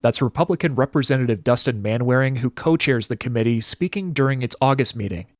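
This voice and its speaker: An American man working as a news reader, delivering scripted headlines as anchor in a measured, formal way. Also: medium pitch, animated, dry recording, studio quality. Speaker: news anchor and podcast host.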